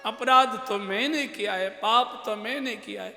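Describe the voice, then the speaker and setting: Man doing a sorrowful tender mother, soothing voice, high pitch, roomy hall echo. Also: measured pace, creaky, pushed and bright, full character voice. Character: grieving mother, a banished queen, tender. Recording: echoey hall with music behind.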